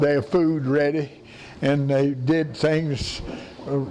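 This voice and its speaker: Speaking with a Middle Tennessee accent over noticeable background noise, a man uses a fairly high pitch. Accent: Southern US (Middle Tennessee). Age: 80s+. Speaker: museum tour guide. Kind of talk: guided tour. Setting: indoors in a museum with a small group. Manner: halting.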